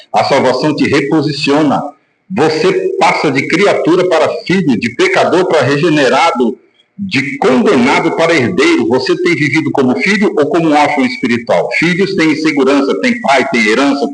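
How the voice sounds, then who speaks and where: A man's voice: mid-range voice, a little hiss or hum. Emphatic male pastor in an echoey hall. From Brazil. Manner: emphatic preaching, rhetorical questions, sudden shouts. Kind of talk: sermon. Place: church hall.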